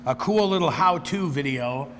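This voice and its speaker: A man's voice: a little high, expressive, moderate pace, long reverb tail, slight background noise. A man in his forties co-hosting a cooking segment, chatting eagerly and chiming in with reactions. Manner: enthusiastic, interjecting reactions. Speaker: co-host chef. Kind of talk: casual chat. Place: studio kitchen.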